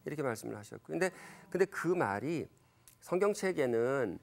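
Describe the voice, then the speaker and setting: A man in his fifties gives a church lecture, his voice gravelly and edged with fry. His pitch swings widely as he acts out the quoted lines in a lively way. He fills the gaps with hesitations and corrects himself as he goes. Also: a little fast, noisy background. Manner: frequent fillers and self-corrections. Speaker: Christian lecturer. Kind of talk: church lecture with Bible storytelling.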